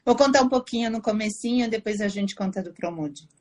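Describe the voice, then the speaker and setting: A woman from Argentina, a psychiatrist guest on a video call, telling her story in a warm, animated way. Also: mid-range voice, brisk. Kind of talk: casual interview storytelling.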